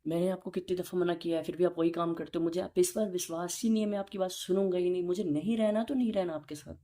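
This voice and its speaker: A young man on a relationship call argues with his partner as the boyfriend, reproachful, insistent and repetitive in this intimate exchange. His mellow voice sits high and stays steady, with a quick pace.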